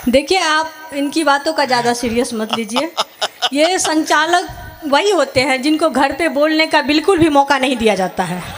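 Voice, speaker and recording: A woman's voice: sits high, normal speed, fairly bright tone. A woman poet from Bihar bantering on an outdoor stage, firing witty comebacks at the host into a stage mic. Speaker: poet performing at a poetry gathering. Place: outdoor stage before a crowd. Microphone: stage microphone.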